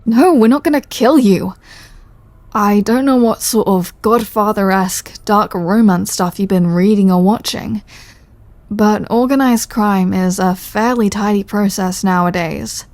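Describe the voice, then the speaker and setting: A woman's voice: mid-range voice, unhurried, a little mellow, no room sound, natural voice. A British woman playing an apologetic, sardonic mafia boss with a protective, flirty streak in an ASMR audio roleplay. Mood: wry, explaining. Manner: dry, sardonic, sighing, exasperated. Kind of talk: ASMR audio roleplay, close scripted acting.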